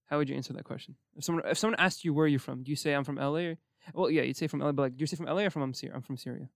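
A young man from Morocco hosting a casual podcast chat. He rambles quickly, full of "like" and "you know what I mean". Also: a little high, steady tone, vocal fry, no echo, studio quality. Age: young adult. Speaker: podcast host.

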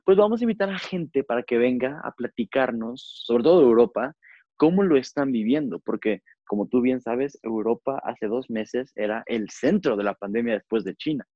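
A man's voice: mid-range voice, lively intonation, normal speed, warm tone, no echo. A young man with a Mexican accent, hosting a podcast in a casual, rambling way with lots of fillers. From Zacatecas, Mexico. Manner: chatty, rambling with many fillers. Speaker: podcast host. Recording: dull, lo-fi.

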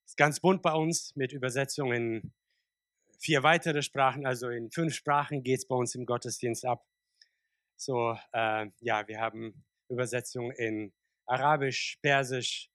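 A man's voice: mid-range voice, fairly even intonation, a little slow, a bit bright, no room sound, studio quality. A man in his forties, a pastor born in Kazakhstan, preaching a sermon in a conversational way with frequent fillers and restarts. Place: church service.

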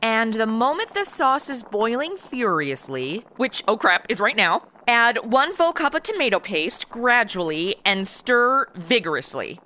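A woman's voice: fairly high pitch, big pitch swings, measured pace, few pauses, sharp tone, slight background noise, full character voice. A woman playing a flippant, slangy twenty-something in a comedic audio drama, exasperated and sassy. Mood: frantic, annoyed. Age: 20s. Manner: flippant, slangy, exasperated, valley-girl phrasing. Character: sassy modern twenty-something woman stuck in old radio noir.

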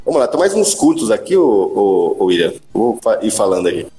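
A man's voice: lowish voice, a little fast, echoey room, soft background music. A man with a Brazilian accent hosting a podcast, telling stories in casual chat full of slang and swearing. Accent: Brazilian Portuguese. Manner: animated slangy storyteller, swears often. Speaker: podcast host.

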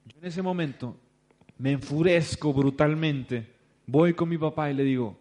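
Animated Mexican man telling stories. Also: a little high, moderate pace. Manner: animated, acts out the people he quotes. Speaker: business speaker. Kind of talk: storytelling talk to an audience.

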